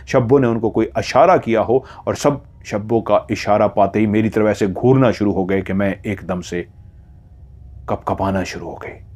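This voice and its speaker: Guy narrating a scary story, kinda low voice, dramatic, builds suspense by repeating bits. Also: darkish tone. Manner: suspenseful, repeats phrases for emphasis. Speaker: horror storyteller. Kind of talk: dramatic spoken horror narration.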